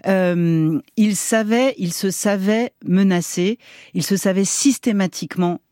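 Lady radio host, mellow voice, measured, dry studio sound. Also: medium pitch, no room sound. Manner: measured, with fillers. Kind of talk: radio interview.

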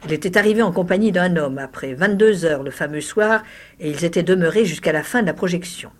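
A woman reading a short story aloud in a measured, dramatic way, sometimes dropping to a near-whisper. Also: fairly low pitch. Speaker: reader.

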